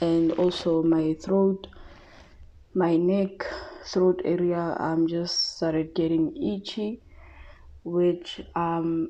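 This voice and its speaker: A woman with a South African accent, fairly low in pitch, at a very slow pace. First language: Tshivenda. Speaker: tarot reader. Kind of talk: psychic tarot reading monologue. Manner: hesitant, many fillers.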